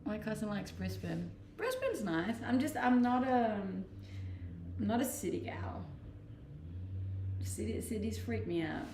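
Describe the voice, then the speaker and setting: Young Danish-accented woman for a casual chatty livestream, gravelly edges to her voice, recorded in a roomy-sounding space. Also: medium pitch, very animated, a little slow, a little mellow, a little hiss or hum. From Denmark. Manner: chatty, laughs easily. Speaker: streamer. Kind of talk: casual chat reading viewer questions. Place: rented house, indoors.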